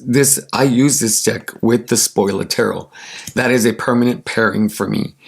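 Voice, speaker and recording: A raspy man with allergies, casually chatting and enthusiastically showing off tarot cards, with many ums and uhs. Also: medium pitch. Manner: gushing, enthusiastic, with many fillers. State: congested from allergies. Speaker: tarot deck reviewer.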